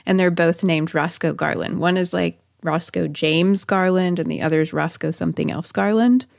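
A woman's voice: fairly low pitch, fairly even intonation, moderate pace, gravelly, no echo, clean studio sound. A woman hosting a podcast, telling a true-crime story conversationally with chatty asides. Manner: chatty asides amid narration. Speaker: podcast host.

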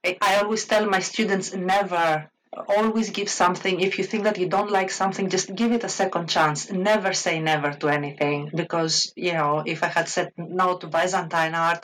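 A low-pitched woman from Crete speaks with a clear Greek accent. She answers interview questions in a lively, chatty way, with plenty of fillers and laughter along the way. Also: a little hiss or hum, rough recording. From Crete, Greece. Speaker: guest author, art historian.

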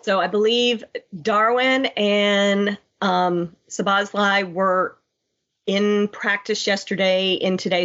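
A woman's voice: mid-range voice, a bit bright. A woman co-hosting a casual podcast chat, with a nasal, stuffed-up voice; she hedges what she reports. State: congested from a cold. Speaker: podcast co-host. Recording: dull lo-fi podcast audio.

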